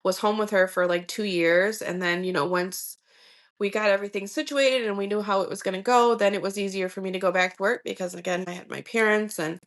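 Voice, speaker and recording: This is a fortyish Michigan woman chatting as a podcast guest about her family, her mid-range voice fairly even and a little fast. She's reflective, with frequent fillers such as "um" and "you know," in a casual interview style.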